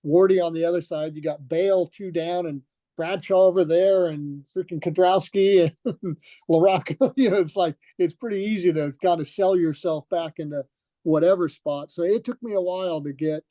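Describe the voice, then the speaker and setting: Speaking at a moderate pace in a warm, high voice, this older guest looks back on his years as a motocross racer. The interview is loose and meandering, with lots of fillers and false starts, and the recording has no room sound.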